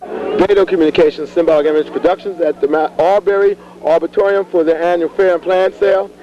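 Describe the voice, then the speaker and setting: A man's voice: on the high side, steady tone, brisk, dark tone. An American man hosting informal community TV interviews, with a joking, teasing manner. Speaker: host interviewing young people at a fair. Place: busy auditorium at a fair. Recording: muffled sound, busy crowd noise behind.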